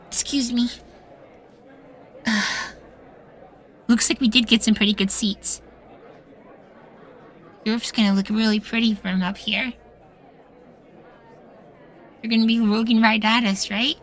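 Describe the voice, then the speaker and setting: In a futuristic ASMR roleplay, a woman voices a meek, sweet young boywife, hesitant and gentle, full of wonder and trailing questions in soft-spoken pleading. Her voice is on the high side with fairly even intonation, slow and often pausing. A faint crowd can be heard.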